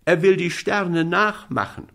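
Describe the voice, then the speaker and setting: A man voicing a greedy little boy who keeps shouting for more, in a storybook reading. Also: unhurried, vocal fry, heavily acted. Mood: demanding. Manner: shrill, insistent shouting. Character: demanding little boy in a rolling bed.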